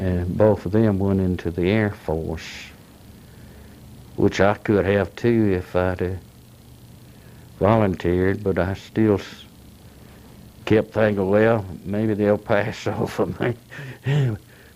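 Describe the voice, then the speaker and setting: Very slowly, with long, frequent pauses, a man with a Georgia accent speaks in a dark, mellow tone at a fairly low pitch. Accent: Georgia Southern. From US South. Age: 70s. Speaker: war veteran. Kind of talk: oral history interview. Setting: library. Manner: halting.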